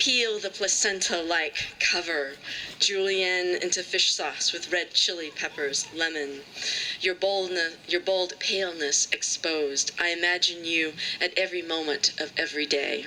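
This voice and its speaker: Over noticeable background noise, a woman with a fairly low pitch talks at a fairly slow pace with fairly even intonation. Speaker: poet. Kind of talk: poetry reading. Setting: live venue.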